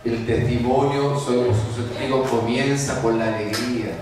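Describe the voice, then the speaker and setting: Man, priest's homily, lively storytelling, booming echo, heard from afar. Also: normal speed, over music. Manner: lively storytelling, acts out voices. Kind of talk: homily at mass. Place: large church. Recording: echoey church from far off.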